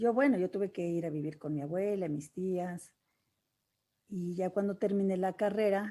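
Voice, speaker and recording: Her tone is dark and mellow. The woman speaks at a medium pitch. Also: ordinary pitch variation, moderate pace. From Mexico. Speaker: voice actress. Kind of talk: interview. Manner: casual.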